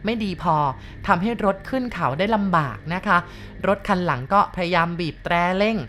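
Woman calmly telling ghost stories. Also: lowish voice, a little hiss or hum. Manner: polite, measured retelling of listeners' ghost stories. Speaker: ghost story narrator. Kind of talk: storytelling narration.

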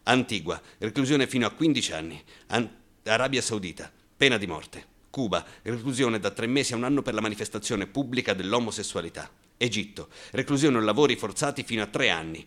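Bitter, wounded gay man, low-voiced. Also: animated, a bit bright. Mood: stern, declaiming. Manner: halting, repeats words, rhetorical questions, bursts of sarcasm. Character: bitter, wounded gay man denouncing macho military cruelty. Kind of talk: theatrical radio monologue, colloquial and impassioned.

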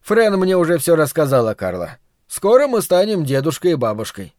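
A calm, steady father, as a male narrator reads him, quiet and firm. He speaks low and evenly without raising his voice, recorded close and dry. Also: moderate pace, dry recording.

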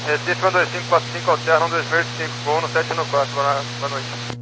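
A Brazilian male pilot makes a quiet radio callout in a slightly high voice. His readbacks are clipped and routine, carried on an aircraft radio with clear noise and hum. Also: fairly even intonation, fast. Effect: aviation radio. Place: aviation radio transmission.

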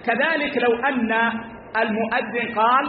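A man teaching a religious lesson, speaking slowly and repeating key phrases for emphasis. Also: very high voice, slight background noise. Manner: addresses listeners as brothers; slow and deliberate, drawing out words. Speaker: Islamic scholar teaching a class. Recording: echoey hall over tinny lo-fi line.

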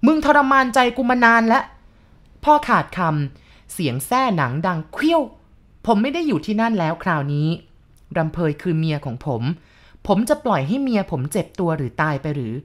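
Woman reading a ghost story, lowish voice. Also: very animated, moderate pace. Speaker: narrator. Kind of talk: audiobook reading of a first-person ghost story.

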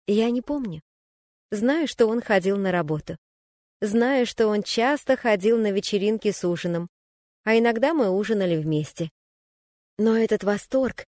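A woman narrates an audiobook memoir in the first person, calm and reflective. Her voice sits at an ordinary middle pitch. The recording is dry and close, with no room sound. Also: dry recording. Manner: calm, even, reflective reading.

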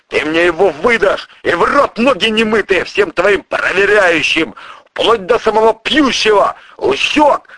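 A man voicing a furious, foul-mouthed male crime boss who shouts and hectors in an audiobook. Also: high-pitched, noisy background, voice pushed up.

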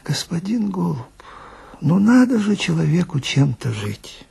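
A man acts out a conman in his fifties from a radio story, with a very raspy, creaky voice. He wheedles politely and sighs, putting on dignified airs as he pleads his case in animated swings. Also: high-pitched, a little slow, pitched above the performer's own voice, exaggerated voice. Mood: plaintive, self-justifying. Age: 50s. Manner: obsequious, sighing, wheedling, self-righteous. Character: polite, plaintive 52-year-old male marriage swindler with dignified airs. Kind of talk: dramatic monologue, character dialogue.

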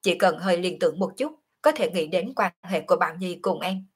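A woman's voice: lowish voice, expressive, brisk, husky. A woman reading a wry young man. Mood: reasoning. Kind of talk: audiobook character reading.

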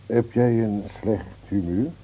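An actor playing a gentle older village man who reminisces, hesitant and reflective, in a radio drama. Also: fairly low pitch, slow pace, slightly rough. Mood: gently nostalgic. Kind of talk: Dutch radio drama acting. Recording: dull old radio recording.

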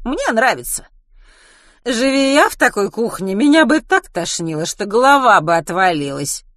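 A woman voicing a brash, foul-mouthed, indignant woman who exclaims loudly in an audiobook story. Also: fairly high pitch, wildly swooping pitch, normal speed, no room sound, studio quality, pitched above the performer's own voice, full character voice. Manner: loud, outraged exclaiming.

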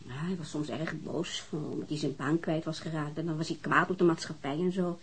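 A woman's voice: deep voice, steady tone, brisk, slightly rough, heavily acted. An actress playing a weary, defensive divorced mother, answering questions hesitantly in a naturalistic radio drama. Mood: weary, reluctant.

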